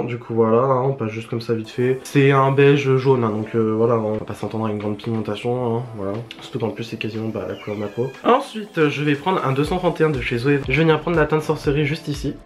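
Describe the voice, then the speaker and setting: A man chatting casually through a makeup tutorial, joking and filling pauses as he works. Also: medium pitch. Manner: chatty, joking, lots of fillers. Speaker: beauty vlogger.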